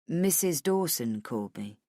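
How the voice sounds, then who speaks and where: Dogged male journalist, acted by a female narrator, low and calm, measured delivery, audiobook dialogue. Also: dry recording, studio quality. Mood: calm, matter-of-fact.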